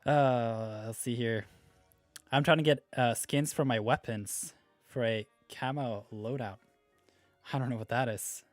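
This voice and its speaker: Reading out viewer comments, this Norwegian livestream host rambles in relaxed chat during a gaming stream, his accent clearly Norwegian. He speaks a little slowly in a steady, medium-pitched voice; the recording is dry with faint music behind.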